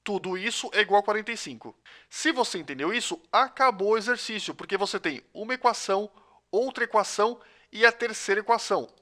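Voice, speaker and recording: A man's voice: sits high, a little fast, bright, forceful tone. A man with a Brazilian Portuguese accent teaching a recorded math lesson, explaining step by step and talking straight to his students. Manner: patient step-by-step explaining, addresses students directly.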